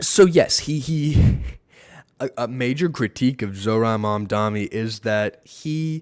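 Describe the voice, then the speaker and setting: Using an ordinary speaking voice, a man of medium pitch talks at a fairly slow pace with lively intonation. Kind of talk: political commentary reacting to clips. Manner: casual, skeptical.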